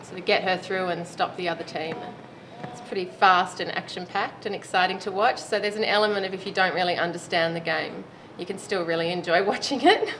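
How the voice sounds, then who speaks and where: Chatty woman, slightly low voice. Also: fairly even intonation, a little fast, hardly any pauses. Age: 30s. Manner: chatty, laughs now and then. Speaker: roller derby player interviewee. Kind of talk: casual interview answers. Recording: noisy background.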